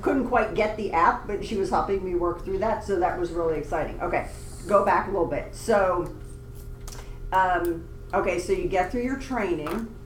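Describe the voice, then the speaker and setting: A woman hosting a team meeting, interviewing a colleague in an upbeat, animated way. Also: on the low side, moderate pace. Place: office meeting room. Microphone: far room camera. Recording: distant, echoey room, faint hiss.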